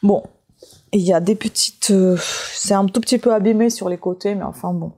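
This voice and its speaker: A woman with a Russian accent, a native Russian speaker, chatting casually and a little haltingly as she thinks aloud for a craft vlog. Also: medium pitch, steady tone, dark tone. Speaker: craft vlogger. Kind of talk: casual unboxing chat while leafing through a book.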